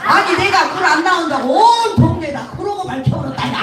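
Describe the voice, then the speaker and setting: Old Jeolla grandma figure, high and wailing, performed by a woman comic from far off in an echoey hall. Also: expressive, music in the background. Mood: flustered. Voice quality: exclamatory, drawn-out wails.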